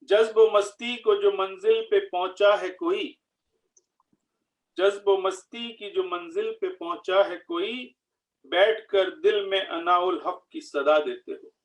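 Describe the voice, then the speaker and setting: High-voiced man slowly reciting poetry. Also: poor audio. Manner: measured, repeats each line. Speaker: poetry reciter at a literary gathering. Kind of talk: slow Urdu ghazal recitation.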